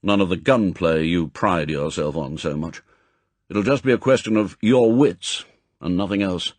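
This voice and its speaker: Audiobook role: elderly male spymaster, done by a male reader, gruff, brusque, impatient, with a husky edge. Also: sits low, normal speed, dry recording. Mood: brisk, commanding. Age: older. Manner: brusque, authoritative, clipped commands. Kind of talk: audiobook character acting.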